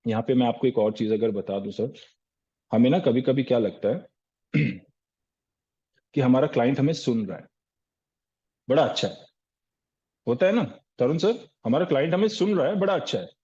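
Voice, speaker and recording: A man's voice: mid-range voice, moderate pace, long pauses, warm tone, dull audio. A man giving a live sales training session, asking rhetorical questions and answering them himself, often calling his listeners "sir".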